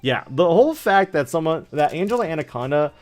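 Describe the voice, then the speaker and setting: A man in his thirties chatting casually on a livestream, rambling and joking in an animated way as he tells stories. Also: a little high, a little fast, soft background music. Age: 30s. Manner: rambling, animated, jokey storytelling. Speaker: streamer opening trading card packs.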